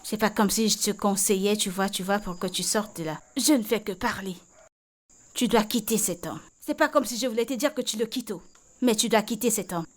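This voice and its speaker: Dubbing a French film, a woman gives voice to Vicky, who cares for a beaten friend and talks outspokenly, repeating herself with insistence. She uses a mid-range voice, speaks a little fast, and acts it only lightly.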